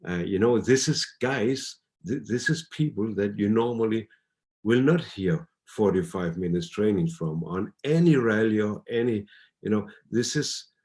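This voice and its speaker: A man's voice: on the low side, measured pace. A man hosting an online live stream, introducing a guest speaker and rallying the audience to cheer for her. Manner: excited cheerleading, calls for cheers. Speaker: host.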